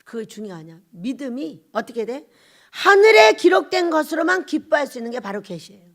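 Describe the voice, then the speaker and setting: A woman pastor giving an emotional sermon, asking her congregation questions and moving between shouts and hushed whispers. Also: high voice. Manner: asks the congregation rhetorical questions.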